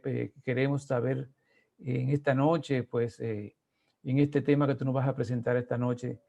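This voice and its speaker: A man welcomes a guest speaker on behalf of his parish. His voice is gravelly and mellow, and he speaks haltingly, pausing with fillers. The tone is formal. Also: medium pitch. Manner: halting, many fillers and restarts. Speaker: parish host introducing the speaker.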